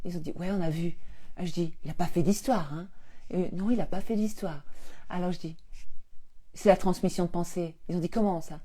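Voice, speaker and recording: A woman coach telling a family story casually to her viewers on a live stream. She is animated, laughs often and acts out the dialogue. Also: fairly low pitch, normal speed.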